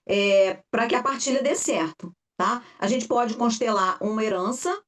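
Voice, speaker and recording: A woman facilitator giving an informal teaching talk, animated and full of fillers, often acting out her clients' voices. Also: on the high side, moderate pace. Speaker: family constellation facilitator. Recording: voice distant from the mic.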